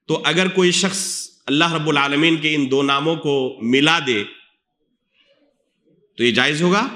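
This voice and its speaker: A man's voice: on the high side, bright, forceful tone. A man with an Indian Urdu accent giving a religious lecture in a mosque, teaching patiently and putting questions to his listeners before answering them himself. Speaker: Islamic scholar. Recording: echoey mosque hall.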